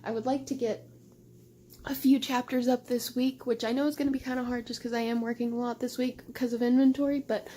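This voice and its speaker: A woman's voice: on the high side, level tone, fairly quick, warm tone, a little hiss or hum. A young woman chatting casually at home in a book vlog, gushing, giggly and swearing freely. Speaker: book vlogger. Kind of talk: casual chat.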